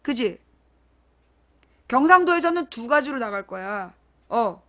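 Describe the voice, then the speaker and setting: A woman's voice: a little high, animated, measured pace, a bit bright. A woman hosting a live-stream political commentary show, speaking bluntly and informally and putting questions straight to her chat viewers. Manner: talks directly to chat viewers, asks them questions; blunt and emphatic, informal speech.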